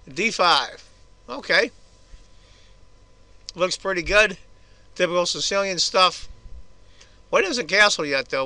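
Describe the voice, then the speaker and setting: Hoarse man commenting on chess. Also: a little high, sharp tone, dry recording. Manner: casual, chatty move-by-move analysis. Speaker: chess video host.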